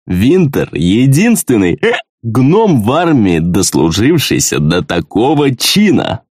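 A man's voice: medium pitch, huge pitch swings, slow, darkish tone, breathy edge, no echo, clean studio sound, pitched above the performer's own voice, full character voice. A man voicing a talkative army veteran who speaks in a wistful way.

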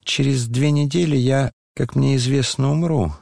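A man voicing a gravely ill young man who speaks quietly and hoarsely, weary yet ironic, in a dry studio sound. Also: medium pitch, fairly even intonation, normal speed, no room sound, voice pushed up. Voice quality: hoarse, near whisper.

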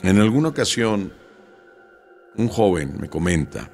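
Deep-voiced man telling stories. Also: sing-song, unhurried, creaky, a little mellow, faint music behind. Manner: conversational, recounting dialogues with frequent fillers. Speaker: storyteller. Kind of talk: casual storytelling to an audience.

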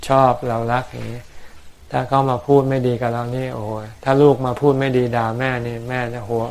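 A Buddhist monk calmly answering questions from his followers in plain words, with homely examples and touches of dry humor. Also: mid-range voice, a little fast, vocal fry. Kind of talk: dharma talk answering questions.

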